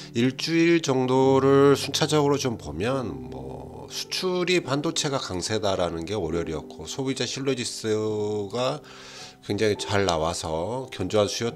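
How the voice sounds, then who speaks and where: A man speaks with very wide swings in pitch. Music plays in the background. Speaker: stock market commentator. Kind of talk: market commentary. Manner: casual, hesitant fillers.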